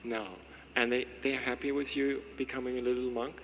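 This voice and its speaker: Talking a little fast in a medium-pitched, level voice, a monk chats casually with visitors to his monastery. He jokes, chuckles often and asks questions, with background noise, in a reverberant space carrying faint ambience.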